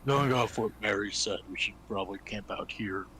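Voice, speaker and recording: A man's voice: on the low side, normal speed. A man chatting casually as a player in an online tabletop game. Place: online voice call. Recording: slightly noisy voice-chat audio.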